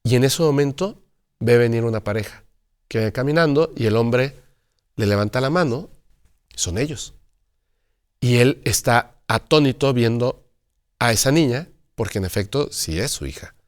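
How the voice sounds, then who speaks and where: Man, middle pitch, story guest, acts out dialogue. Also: animated, moderate pace, long pauses. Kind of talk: telling a paranormal story in conversation.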